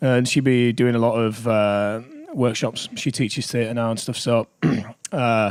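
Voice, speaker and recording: This man talks at a fairly slow pace and medium pitch. His intonation is fairly even. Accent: strong Yorkshire. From Yorkshire, northern England. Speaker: musician. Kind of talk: casual chat.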